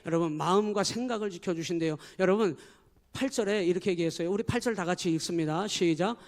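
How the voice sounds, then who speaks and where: A man's voice: high voice, fast talker. A man preaching a sermon as pastor, emphatic and forever addressing the congregation. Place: church.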